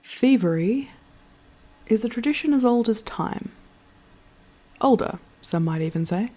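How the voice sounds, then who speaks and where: A woman playing a reflective, literate storyteller in a scripted audio drama, musing in a measured, thoughtful way. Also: a little high, expressive, dark tone.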